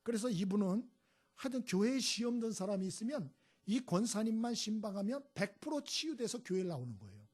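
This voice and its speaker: A man's voice: high-pitched, big pitch swings, fairly quick, a little mellow, husky. A male pastor preaching a sermon, telling stories and prodding the congregation with short questions. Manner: storytelling, prods the congregation with "예?" and "음?".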